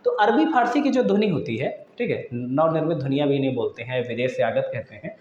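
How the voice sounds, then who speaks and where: Man, grammar lesson, patient repeating explainer, bouncy pitch, dull lo-fi sound. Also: expressive, quick pace, a little mellow, echoey room. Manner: explains patiently, repeats points, addresses students as friends. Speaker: teacher. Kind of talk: exam-prep grammar lesson.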